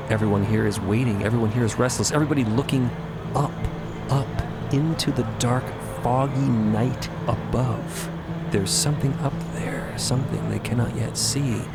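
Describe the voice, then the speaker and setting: A man delivers dramatic fantasy narration at a medium pitch over loud music. He is deliberate and suspenseful, stacking repeated phrases for effect.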